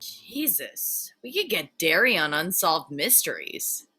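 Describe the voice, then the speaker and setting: A woman's voice: on the low side, big pitch swings, takes it slowly, pushed and bright, breathy edge, heavily acted. A woman reading a wisecracking young boy with teasing, drawling delivery in a screenplay table read. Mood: mocking, cheeky.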